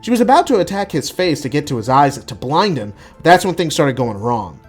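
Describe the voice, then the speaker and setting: A man giving an expressive, casual dramatic reading of his own first-person writing. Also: on the high side, fairly quick, breathy edge, soft background music. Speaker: writer reading own work.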